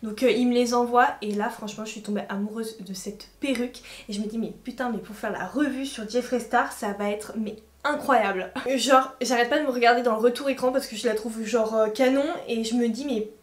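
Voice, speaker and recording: A woman reviewing makeup on her channel in a casual, slangy, animated way, laughing often. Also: fairly high pitch, a little fast, hardly any pauses, echoey room. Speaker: beauty vlogger.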